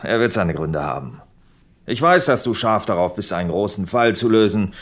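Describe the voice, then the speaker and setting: An actor playing a world-weary police officer in his sixties, an uncle who cautions in a measured, patronising way in a German audio drama. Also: on the low side, expressive, lightly acted. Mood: weary, cautioning. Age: 60s.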